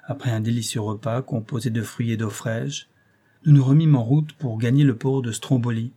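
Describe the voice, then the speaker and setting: Man with a mellow voice reading a novel. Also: medium pitch, normal speed, husky. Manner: expressive reading, lifting his voice for quoted speech. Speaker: audiobook narrator. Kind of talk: scripted narration of a classic novel.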